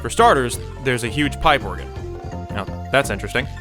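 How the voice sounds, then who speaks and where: A man's voice: medium pitch, lively intonation, brisk, over music, natural voice. A man playing the observant storyteller of an audio drama, giving intrigued, descriptive scripted narration.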